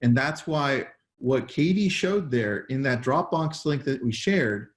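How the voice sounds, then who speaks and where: Male interview host, mid pitch, casual and rambling, reverberant room. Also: expressive, measured pace. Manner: loose, repeats words while steering the talk. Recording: roomy echo.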